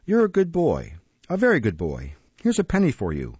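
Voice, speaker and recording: A man voicing a benign, patronising, self-satisfied gentleman in an audiobook. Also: mid-range voice, huge pitch swings, moderate pace, breathy edge, no room sound, dull audio, pitched above the performer's own voice. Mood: approving, commanding.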